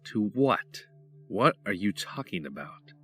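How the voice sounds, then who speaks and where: A man's voice: lowish voice, very animated, unhurried, sharp tone, faint music behind, full character voice. An actor playing a wary, terse man who wants answers in an audio drama. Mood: wary, confused. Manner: terse, blunt. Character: blunt, wary, confused man demanding answers.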